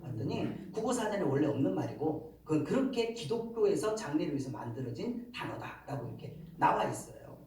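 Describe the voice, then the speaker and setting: A pastor preaching a sermon, asking the congregation questions and building to emphatic, loud passages. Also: mid-range voice, big pitch swings, a little fast, hardly any pauses. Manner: asks the congregation rhetorical questions. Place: church sanctuary. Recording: very echoey hall, mic far off.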